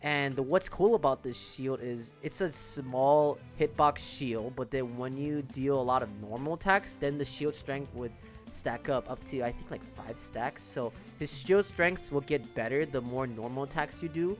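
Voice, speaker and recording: A man's voice: medium pitch, moderate pace. Casual, emphatic man over background music. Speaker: gaming content creator. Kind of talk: casual reaction commentary on a video game.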